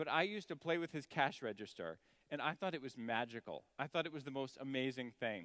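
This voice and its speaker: Lively intonation marks a man's delivery in an ordinary speaking voice. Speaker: keynote speaker. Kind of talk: conference talk.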